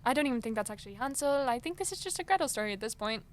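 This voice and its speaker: A woman's voice: on the high side, lively intonation, rapid-fire, natural voice. A woman playing a naive, chatty, polite girl in a comic radio play, casual and wide-eyed. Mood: curious, chatty. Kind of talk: comedic audio drama acting.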